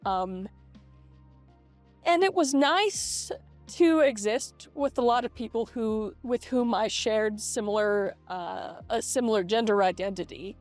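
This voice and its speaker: A middle-aged woman talking casually to her vlog audience through a voice changer, reflective and halting, with repeated false starts. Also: on the high side, expressive, a little mellow. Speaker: vlogger. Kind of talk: casual personal vlog monologue. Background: lo-fi video game music.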